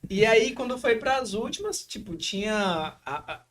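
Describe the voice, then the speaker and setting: A man with a Brazilian accent from Espírito Santo, hosting a podcast in casual, animated chat full of slang fillers. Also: extremely high pitch, normal speed, a little hiss or hum. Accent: Espírito Santo Brazilian Portuguese. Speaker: podcast host.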